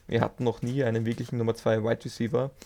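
At a fairly quick pace, a man talks in a dark, mellow tone at medium pitch, with a monotone, flat intonation. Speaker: football podcaster. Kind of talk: casual chat. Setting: video call on Discord.

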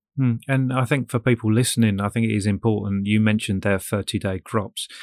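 A man with a British accent speaks at a fairly low pitch and with fairly even intonation, recorded dry and close with no echo on a very clean track with a silent background. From UK. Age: 30s. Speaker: podcast host. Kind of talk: casual interview chat.

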